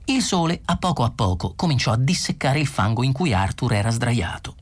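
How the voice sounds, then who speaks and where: Expressive, slightly husky audiobook narrator. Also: a little fast. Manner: expressive, with wide pitch swings. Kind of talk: scripted narration of a comic novel.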